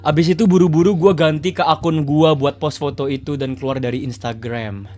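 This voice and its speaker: Chatty male streamer, slightly high voice. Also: fairly even intonation, fairly quick, a little mellow, soft background music. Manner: chatty, teasing asides to chat. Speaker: streamer reading viewer confessions. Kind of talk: casual livestream reading.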